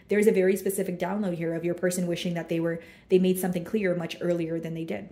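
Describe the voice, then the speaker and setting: Mellow-voiced woman reading tarot, echoey room. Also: lowish voice, fast talker. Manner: relaxed and chatty, many fillers, talking through cards as she draws them. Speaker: tarot reader. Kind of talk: casual tarot reading to camera.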